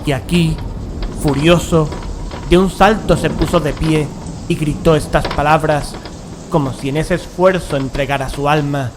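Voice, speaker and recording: An actor playing a horrified gentleman who recounts a gothic tale in solemn, measured, dramatic narration. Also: on the high side, steady tone, background noise, lightly acted. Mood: solemn dread. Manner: solemn, literary, measured phrasing. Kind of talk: dramatic scripted horror narration. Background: dramatic music.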